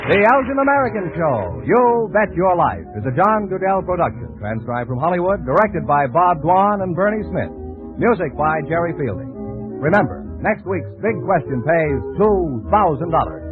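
Male announcer, old-time radio, swooping animated pitch, polished and emphatic sponsor reads, narrow tinny band. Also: moderate pace. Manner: polished, emphatic salesman delivery. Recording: tinny band-limited old radio broadcast, faint music.

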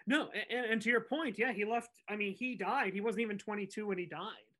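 A man's voice: high voice, fairly quick, pushed and bright. A man from New Jersey with an American accent, chatting casually as a podcast co-host. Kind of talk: casual chat.

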